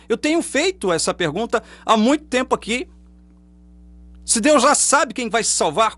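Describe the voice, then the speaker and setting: A man's voice: high-pitched, fairly bright tone, no room sound. A man with a Brazilian Portuguese accent delivering a combative religious monologue to camera, full of rhetorical questions. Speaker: online preacher. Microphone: webcam or phone facing speaker.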